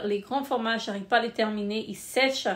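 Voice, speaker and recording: A woman speaks with a fairly high pitch and fairly even intonation on a very clean recording with a silent background. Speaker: beauty vlogger. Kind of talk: casual product review vlog. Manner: halting, many fillers.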